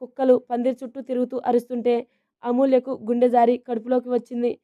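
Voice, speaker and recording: A woman narrating a romantic family story in a steady, even reading manner. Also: fairly high pitch, quick pace, phone-quality sound.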